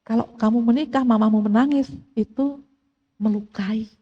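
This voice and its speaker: A middle-aged woman preaching a sermon, telling family stories with lively acted-out dialogue. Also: on the high side, normal speed, slightly rough, muffled recording. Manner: animated storytelling, acts out family dialogue. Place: church hall. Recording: echoey church hall.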